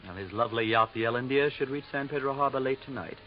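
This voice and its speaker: An actor playing an obsequious, fussy little jeweler's clerk in a 1950s radio drama, fawning, formal and hesitant. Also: male voice, medium pitch, quick pace, faint music behind, close to an everyday voice. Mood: fawning, polite. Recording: muffled vintage radio recording.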